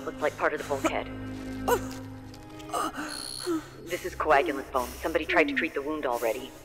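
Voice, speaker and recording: A man's voice: on the high side, fast talker, over music, close to an everyday voice. An actor playing a focused male medic in a sci-fi audio drama, clipped and clinical in delivery.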